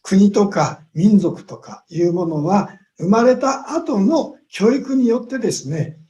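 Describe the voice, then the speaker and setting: A man giving a lecture in short measured phrases, pausing often with long drawn-out fillers so an interpreter can follow, heard over a video call. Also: high voice, lively intonation, warm tone. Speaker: guest speaker.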